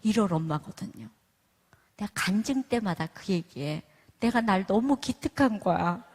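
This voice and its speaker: A woman's voice: medium pitch, animated, normal speed, a little mellow, breathy edge. A middle-aged woman giving a church testimony, telling stories with humor and acting out other mothers' voices. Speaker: testimony speaker. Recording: echoey church hall.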